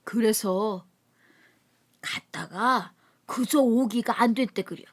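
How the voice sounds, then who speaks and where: A woman voicing a drunk middle-aged male rickshaw puller who shouts and brags in a rowdy, slurred way. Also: on the high side, takes it slowly. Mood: tipsy storytelling.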